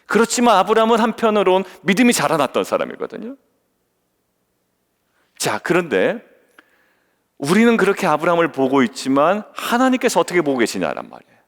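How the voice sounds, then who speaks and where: Man, pastor, morning sermon, higher-pitched voice, animated delivery, long church-hall reverb. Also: fairly quick, long pauses. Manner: lively, questioning the congregation and acting out quoted voices. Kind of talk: early-morning devotional sermon. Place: church sanctuary.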